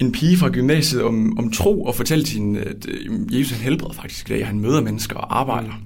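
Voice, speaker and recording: The room adds an audible echo. A man talks in a medium pitch. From West Jutland, Denmark. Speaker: teacher-training student. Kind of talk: faith testimony interview. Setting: studio.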